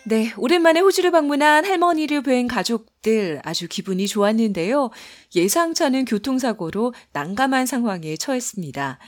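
Bright, lively woman lesson host. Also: a little high, moderate pace, hardly any pauses. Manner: polite, explanatory presenter delivery. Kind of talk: scripted broadcast narration. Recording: faint background music.

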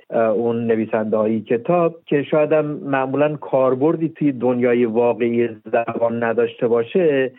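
A man speaks as an expert guest, methodical and patient, spelling out examples letter by letter. His voice sits at an ordinary middle pitch. It comes through a tinny, dry phone line. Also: no echo. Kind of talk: explanatory interview talk.

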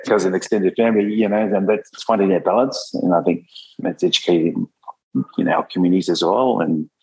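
A man talks in a relaxed interview, thinking aloud with plenty of fillers. His voice is very deep and husky. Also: fairly quick, poor audio. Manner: thoughtful, many fillers. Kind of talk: casual interview talk.

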